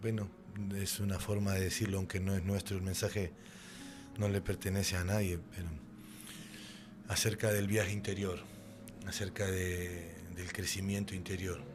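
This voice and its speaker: A man speaks with monotone, flat intonation and long, frequent pauses. Music plays in the background. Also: fairly low pitch for a man, moderate pace. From Uruguay. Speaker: spiritual therapist. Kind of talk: radio interview. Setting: radio studio.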